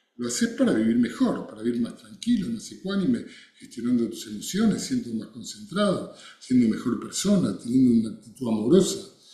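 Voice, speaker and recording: Speaking fairly quickly in a Rioplatense accent, a man with a fairly high pitch swings very widely in pitch, with audible room echo and noticeable background noise. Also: big swings in loudness. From Argentina, Buenos Aires. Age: 60s. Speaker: meditation teacher. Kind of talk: online masterclass talk. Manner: conversational.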